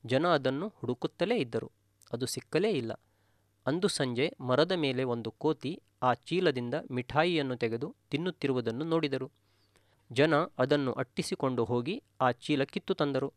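A man giving a spoken meditation talk, telling a teaching story in a calm, steady storyteller's manner. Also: medium pitch, normal speed, dry recording, studio quality.

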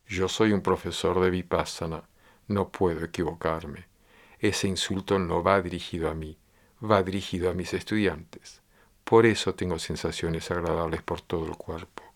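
A man gives a meditation teacher's discourse in a low voice with a noticeable gravelly fry. He explains slowly and repeats his points with patient emphasis. Each idea unfolds in measured steps.

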